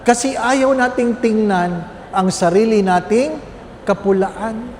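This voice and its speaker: A man's voice: sits high, slow, a little mellow, in a large hall, slight background noise. A man, a Catholic priest, preaching a homily with humorous stories and constant questions to his congregation. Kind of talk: sermon.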